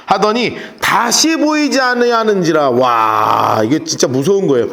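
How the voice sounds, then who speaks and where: A male pastor teaching the Bible in a lively storytelling sermon, telling listeners what to write down. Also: high voice, normal speed. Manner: lively storytelling, gives note-taking instructions.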